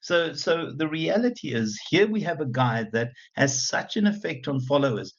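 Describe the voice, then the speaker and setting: A man from South Africa with an Afrikaans accent, giving a chatty, animated university lecture with lots of repeated restarts. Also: on the high side, normal speed. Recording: muffled lecture recording.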